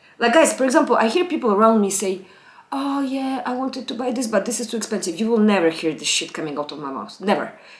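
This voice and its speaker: Very wide pitch swings at a very fast pace, set against noticeable background noise. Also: woman, fairly high pitch for a woman. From Russia. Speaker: lifestyle vlogger. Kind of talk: casual vlog monologue. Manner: hesitant, frequent fillers and restarts.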